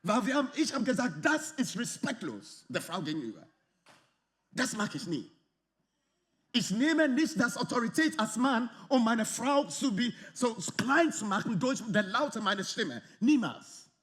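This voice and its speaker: A man preaching a sermon in lively, slightly non-native German with English phrases mixed in. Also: extremely high pitch, unhurried. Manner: animated, lively, often acts out quoted arguments. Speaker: pastor.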